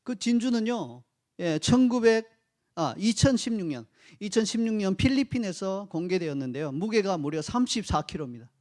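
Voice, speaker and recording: A male pastor giving a sermon in a conversational, animated way, speaking directly to his congregation and telling stories. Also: high voice, normal speed. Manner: animated storytelling.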